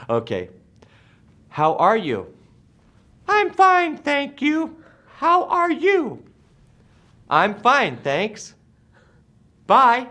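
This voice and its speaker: A male teacher from the United States leading an English class, speaking slowly and deliberately and repeating words for his students. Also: very high-pitched, huge pitch swings, bright, forceful tone. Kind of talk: slow classroom drill.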